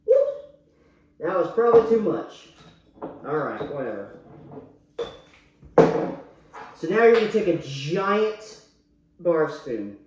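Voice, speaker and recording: A man's voice: on the high side, very animated, takes it slowly, long pauses. A drunk man hosting a casual cocktail tutorial online, talking in a slangy, crude, boisterous way. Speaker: YouTube host. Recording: echoey room, faint background noise.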